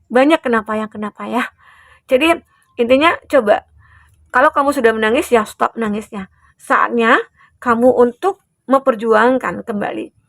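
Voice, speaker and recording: Woman, tarot reader, gentle advising talk, gravelly, dry recording. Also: a little high, no room sound. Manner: soothing, advising, with frequent tag "ya". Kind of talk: collective tarot reading for a zodiac sign.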